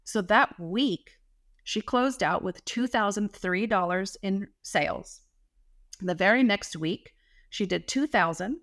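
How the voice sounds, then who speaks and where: A woman coaching and telling a client's story in a podcast interview, animated and emphatic, with casual slang. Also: mid-range voice, takes it slowly, no echo, clean studio sound. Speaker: guest business coach.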